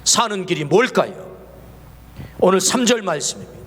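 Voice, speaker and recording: Male pastor, high voice, sermon with rhetorical questions, long church reverb. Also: big pitch swings, moderate pace. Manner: asks the congregation many rhetorical questions. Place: church sanctuary.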